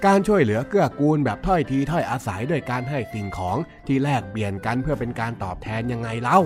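A gruff, exasperated old village uncle in a cartoon story, voiced by a man. He scolds and teases in a plain mid-range voice. A music track runs clearly behind him. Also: mid-range voice, sing-song, fast, natural voice. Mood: scolding. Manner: scolding, grumbling, teasing. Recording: music bed underneath.

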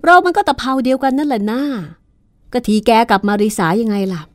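A woman's voice: sits high, expressive, brisk, no echo, studio quality, voice pushed up. A woman voicing a smug, lecherous young man who taunts and leers, in a read-aloud horror novel. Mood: leering, taunting. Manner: taunting, leering.

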